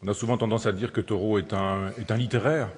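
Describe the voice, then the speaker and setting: Husky-voiced man lecturing in a reverberant hall. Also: fairly low pitch, steady tone, fast. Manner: hesitant, full of "euh" fillers and restarts. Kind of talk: public philosophy lecture.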